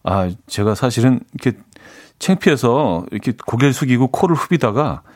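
Very animated and speaking at normal speed, a medium-pitched man runs a casual, chatty radio show, reading listener messages and laughing at his own jokes. The studio-microphone recording has no echo.

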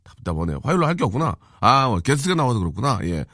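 A man hosting a radio show in casual, joking talk, reading listener messages and sponsor lists, with sudden loud outbursts. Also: mid-range voice, sing-song, fast talker, no room sound, clean studio sound.

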